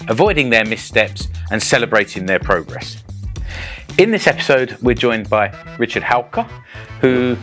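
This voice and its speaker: A male podcast host with a mid-range voice leads an interview in a friendly, conversational tone. Faint music plays softly behind him. He moves easily between a scripted welcome and relaxed follow-up questions. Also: medium pitch.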